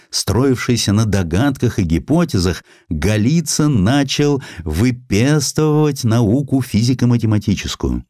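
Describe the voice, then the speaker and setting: A low-pitched man reads literary history aloud. His intonation moves widely and expressively while the delivery stays measured. The recording is dry and close, with very little room sound. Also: a little mellow, no room sound. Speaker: audiobook narrator. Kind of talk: scripted literary narration of a historical essay.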